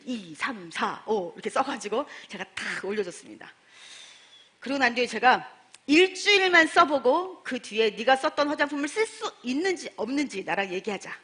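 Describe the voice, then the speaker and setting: Husky, high-pitched middle-aged woman; animated storyteller addressing a seminar crowd. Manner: animated, acts out dialogue, asks the audience questions. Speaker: sales distributor giving a testimony. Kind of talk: storytelling talk to a seminar audience.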